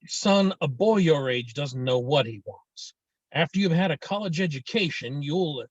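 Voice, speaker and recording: A man's voice: a little high, animated, a little slow, slightly rough, no echo, highs cut off. A man acting a proud, domineering father who presses his son, in a table read of a drama script. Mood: stern, insistent. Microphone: video call microphone.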